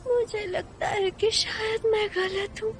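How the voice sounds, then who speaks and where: A woman dubbing a tender, troubled young woman in a romance drama, speaking softly. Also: extremely high pitch, steady tone, slight background noise. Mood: quiet. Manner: soft, unhurried, tearful at times. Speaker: female lead in a dubbed romance drama. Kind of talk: dubbed drama acting.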